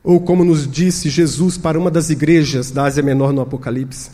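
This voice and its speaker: A man with a Brazilian accent preaching a sermon and telling an illustrative story. He talks fervently and moves from hushed passages to impassioned ones. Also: fairly high pitch, fairly even intonation, fairly quick. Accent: Brazilian Portuguese.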